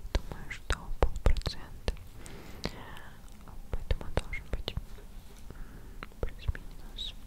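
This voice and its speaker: Whispering from a woman, very slow, broken by long, frequent pauses. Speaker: ASMR content creator. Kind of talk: ASMR unboxing, casual talk to camera. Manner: whispered, close-mic, soft. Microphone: studio mic.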